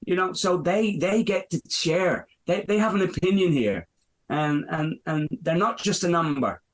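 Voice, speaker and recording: A man's voice: sits high, expressive, normal speed. A man in his fifties from Dublin with an Irish accent, a business owner answering interview questions in a rambling way, with many fillers and restarts. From Ireland. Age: 50s. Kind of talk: podcast interview.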